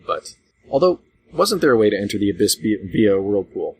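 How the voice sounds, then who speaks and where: A man's voice: lowish voice, sing-song, fairly quick, a little mellow, slightly rough. A man hosting a casual panel discussion as moderator, talking in a rambling, wry, good-humored way. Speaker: podcast host and moderator. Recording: hobby podcast with furnace hum. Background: noisy furnace hum.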